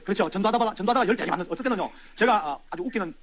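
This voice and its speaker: A man speaks as a church elder giving a testimony, at a rapid clip and with a fairly high voice. His pitch rises and falls freely as he addresses the audience directly. He moves from loud passages to hushed ones. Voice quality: wide swings from loud to hushed. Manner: animated, conversational, talks straight to the audience. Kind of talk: storytelling testimony sermon.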